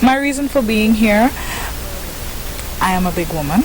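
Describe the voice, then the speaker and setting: A woman's voice: mid-range voice, expressive, normal speed, background noise. A woman, a pageant contestant, speaking earnestly and confidently about herself. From Grenada. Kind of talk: interview statement.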